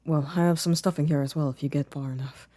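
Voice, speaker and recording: Soft, shy young boyfriend acted by a man, close and dry. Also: on the high side, steady tone, fast, dry recording, close to an everyday voice. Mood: shy, fond. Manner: soft, hesitant, careful formal phrasing. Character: gentle, shy, caring young boyfriend, soft-spoken and affectionate. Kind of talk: ASMR boyfriend roleplay.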